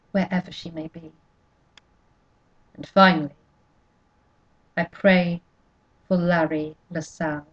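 Slow, low-voiced woman reading a novel. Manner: measured, quietly expressive reading. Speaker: audiobook reader. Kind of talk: scripted narration of a novel. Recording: dull lo-fi recording.

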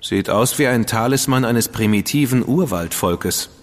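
An actor gives us a confident Victorian gentleman agent with an ordinary mid-range voice, self-assured and probing in every question. A long reverb hangs behind him. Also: medium pitch, expressive, normal speed, natural voice. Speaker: agent of the crown. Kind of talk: studio radio drama acting.

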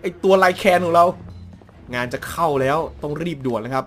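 A young man hosts a gaming let's play, speaking close to the mic with a fairly high voice. He grows excitable and bursts into exclamations as the fights heat up. Faint game music runs underneath. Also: fairly quick. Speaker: gaming channel host. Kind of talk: let's play commentary and live translation of game dialogue.

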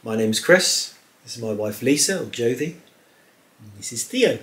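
A man's voice: mid-range voice, lively intonation, normal speed, a bit bright. A man in his thirties with an English accent, casually chatting as co-host of a family vlog from his living room sofa, filmed by a camera a few feet away. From England. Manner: chatty, explains things with gestures, laughs lightly. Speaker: channel co-host. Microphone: fixed camera a few feet away.

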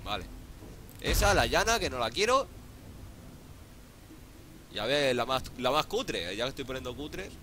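Man, Spain Spanish accent, gaming commentary, lively swooping pitch, bright edgy tone, frequent swearing, faint background noise. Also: unhurried, pauses often. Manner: excitable, swears a lot, pleads and exclaims. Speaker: gaming YouTuber. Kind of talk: casual gameplay commentary.

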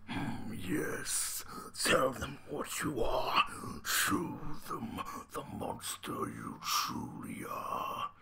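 A man voicing a sinister, theatrical monster with a slow, drawn-out, breathy whisper. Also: mid-range voice, wildly swooping pitch, a crowd in the background, pitched below the performer's own voice, heavily acted.

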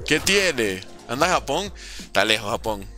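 A man's voice: medium pitch, very animated, moderate pace, sharp tone. A young man, chatting casually and joking as he reads out viewer questions during a live game stream. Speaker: gaming streamer. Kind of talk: casual live-stream chat while playing. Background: faint background music.

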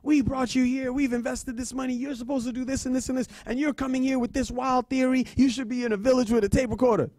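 Stern scolding woman professor, shrill and high, as a man mimics her, dry close sound. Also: brisk, gravelly, hardly any pauses, mellow, dry recording. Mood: furious. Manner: high-pitched scolding quotes.

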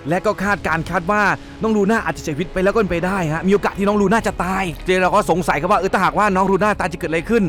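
A man tells a manga story recap in a high, rapid voice. He is excitable and crude, joking as he goes. Soft music runs quietly in the background. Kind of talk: casual spoiler recap narration.

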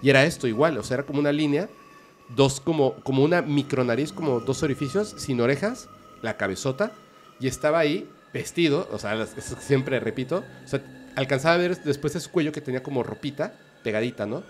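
A man, a podcast guest telling an eerie story in a lively, casual storytelling manner. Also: mid-range voice, fairly quick, a little hiss or hum. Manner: animated, vivid storyteller.

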